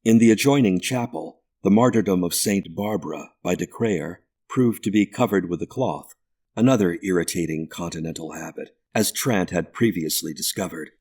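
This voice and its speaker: A man narrating a ghost story audiobook in a measured, deliberate way. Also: low voice, darkish tone, slightly rough.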